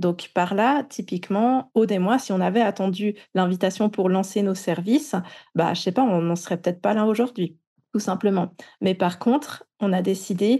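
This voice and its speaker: A woman speaks at a fairly slow pace in a dark, mellow tone that is somewhat breathy. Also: quiet background. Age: 30s. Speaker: human design coach. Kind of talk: casual chat.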